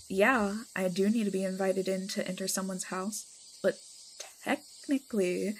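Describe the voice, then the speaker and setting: A woman's voice: mid-range voice, lightly acted. Playful vampire woman, acted out, over night noise. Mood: playful, mock hurt. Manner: casual, teasing, dramatic exaggeration. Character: playful, chatty, affectionate female vampire friend. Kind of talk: roleplay ASMR audio drama.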